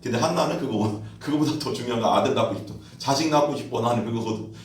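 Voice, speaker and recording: Quick-paced and medium in pitch, this pastor delivers a conversational sermon in a church hall, posing rhetorical questions and performing quoted voices. The distant recording sounds echoey, with a little hiss or hum.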